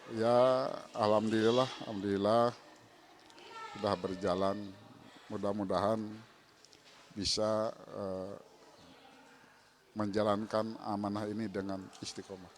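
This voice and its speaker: A middle-aged man, a village head answering as a talk show guest in a halting way, repeating his words. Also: lowish voice, level tone. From Kuningan, West Java.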